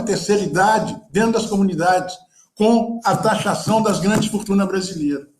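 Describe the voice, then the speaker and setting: Room echo is audible around a man speaking at a high pitch. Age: 70s. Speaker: photographer and activist. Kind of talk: seminar talk. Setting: video call. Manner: animated.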